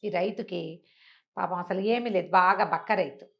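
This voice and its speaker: A woman's voice: on the low side, moderate pace, vocal fry, highs cut off. A woman telling a folk story informally, in a conversational way with explanatory asides and rhetorical questions.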